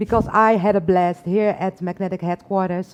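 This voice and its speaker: Against a quiet background, a woman speaks with a non-native accent at a moderate pace. Her pitch is medium, with ordinary variation. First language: not English. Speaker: nail trainer. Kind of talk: casual chat. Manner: halting.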